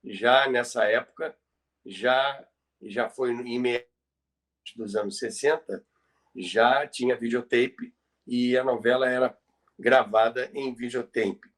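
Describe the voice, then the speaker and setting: A man's voice: mid-range voice, fairly even intonation, slow, fairly bright tone. A Brazilian man telling radio history conversationally as a podcast presenter, explaining things emphatically and repeating key phrases for effect.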